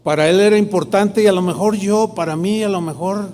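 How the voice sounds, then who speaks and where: High-voiced pastor preaching. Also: male voice, a little fast, a little mellow. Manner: storytelling, acting out dialogue in shifting tones. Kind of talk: sermon with personal testimony. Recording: long hall reverb.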